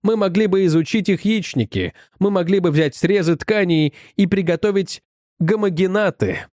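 A man reading a story aloud in the first person, in an animated, expressive manner. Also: sits high, no echo, studio quality. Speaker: audiobook reader.

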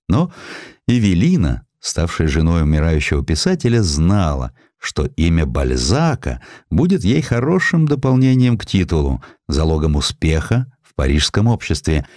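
A man narrating a historical literary audiobook in a measured, expressive, dramatic storytelling manner. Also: sits low, no room sound, clean studio sound.

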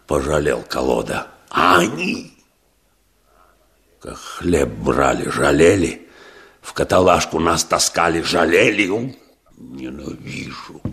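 A man playing a stern, embittered old peasant father in a radio drama, gruff and curt, with speech. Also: a bass voice, a bit bright, full character voice. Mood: bitter, vengeful. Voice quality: gravelly, husky.

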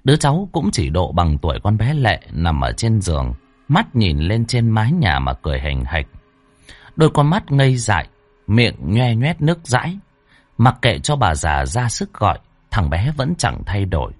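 A man narrating a horror story with lively, dramatic delivery. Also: fairly low pitch, moderate pace, no echo.

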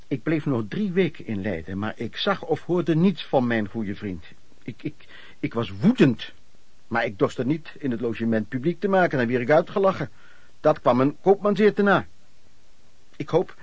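A man's voice: a little high, no room sound. An actor playing a former traveling merchant recounting his lodging-house years in colloquial radio drama narration. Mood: indignant.

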